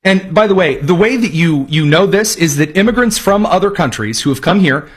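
A man from Indiana delivers political commentary with a sarcastic, mocking edge. His voice sits a little high and husky, and he breaks into jokey asides. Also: animated, a little fast. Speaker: commentary host.

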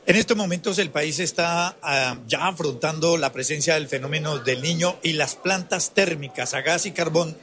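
A man delivering a steady radio news report on energy supply. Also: fairly high pitch, moderate pace, few pauses. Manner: steady, informative.

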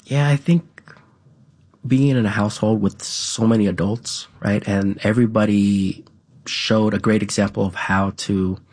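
A man who grew up speaking Vietnamese at home, talking as an interview guest in a halting way, with many fillers and an added "right?". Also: on the low side, fairly even intonation, darkish tone. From United States. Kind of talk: casual conversational interview.

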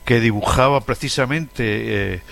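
Man, gravelly voice, deliberate, hesitant, from Spain. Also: mid-range voice, fairly bright tone. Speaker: guest cartoonist. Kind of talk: panel conversation.

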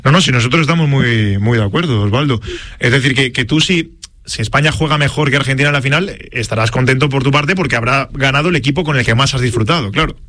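A man's voice: medium pitch, fast talker, pushed and bright. A man hosting a radio talk show, asking a caller questions in an agreeable, slightly hesitant way. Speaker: radio host.

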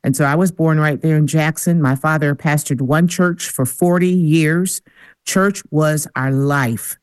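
A woman's voice: sits low, a little slow, no room sound. Enthusiastic woman telling her story. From Michigan. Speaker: guest, singer and speaker. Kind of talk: casual interview talk.

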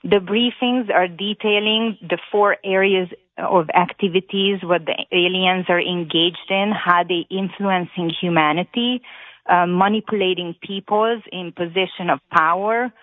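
A woman with a Hungarian accent tells her story to a radio host over the phone. Her voice comes through thin and phone-like, slightly lower than usual, and dry. She talks earnestly, stopping often with "um" and "uh". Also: steady tone, no room sound. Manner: earnest, halting with many fillers. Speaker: caller. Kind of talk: call-in radio talk. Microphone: telephone. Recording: tinny phone line.

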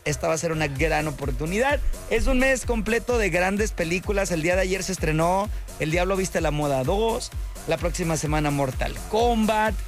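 A man hosting an evening radio show, chatting casually and chummily with listeners. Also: fairly high pitch. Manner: chummy, slangy, upbeat. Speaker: radio host. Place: radio studio.

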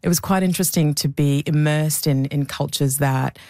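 A woman's voice: low voice, moderate pace, darkish tone, dry recording, studio quality. A woman historian answering interview questions thoughtfully, often restarting and repeating words. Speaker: historian and documentary presenter.

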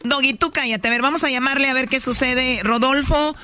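A man's voice: very high voice, steady tone, fairly quick, noisy background. A man hosting a radio show, interviewing a caller with probing, teasing questions. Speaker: radio host.

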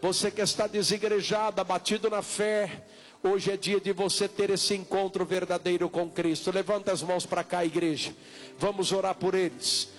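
A man with a Brazilian Portuguese accent preaching as an evangelical pastor, urging people insistently with repeated, drawn-out calls during an altar call. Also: sits high, flat delivery, faint music behind.

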